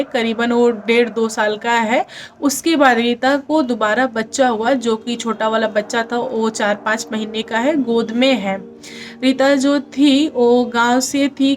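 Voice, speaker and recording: A woman's voice: on the high side, slight background noise. A woman telling a village horror story in a chatty, casual way, speaking to listeners as friends. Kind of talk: casual spoken horror narration.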